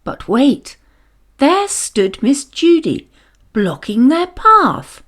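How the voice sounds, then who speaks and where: A woman reading a children's story aloud with dramatic, expressive narration. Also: high voice. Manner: animated, dramatic, deliberate storytelling.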